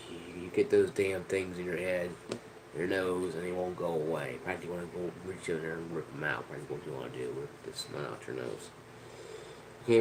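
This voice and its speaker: A man's voice: low-pitched, gravelly, fairly bright tone, slight background noise, poor audio. A man with a head cold and a nasal, stuffy voice, ranting casually to camera in a rambling, frustrated way with lots of restarts and the odd curse word. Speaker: vlogger.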